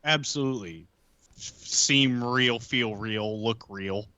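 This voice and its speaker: A man playing a blunt, steady undead character in a tabletop game, talking plainly and reassuringly. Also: mid-range voice, slow, clear, resonant tone, no echo, highs cut off.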